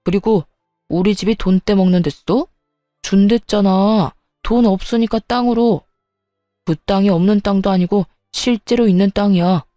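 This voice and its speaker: A petty young husband who brushes everything off with blunt, cold replies, as a woman narrator puts him on. The tone stays mellow and darkish. It is recorded dry and close, with faint music underneath. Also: medium pitch, normal speed, no echo, lightly acted. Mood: cold dismissive. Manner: blunt, dismissive talking down.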